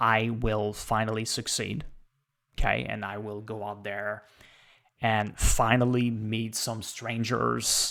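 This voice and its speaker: Over a very clean recording with a silent background, a man speaks very slowly in a monotone, flat intonation. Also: fairly low pitch for a man. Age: 30s. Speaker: vlogger. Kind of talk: testimony. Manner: halting.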